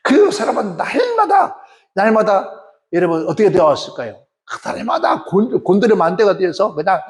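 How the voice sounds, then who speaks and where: A male pastor preaching a sermon with animated, folksy storytelling. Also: sits high, normal speed.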